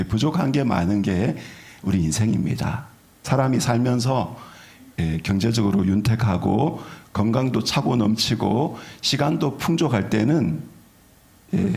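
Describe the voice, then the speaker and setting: A man's voice: lowish voice, creaky, a little mellow. A middle-aged man, a pastor, gives a sermon in a conversational way and keeps checking that the congregation agrees.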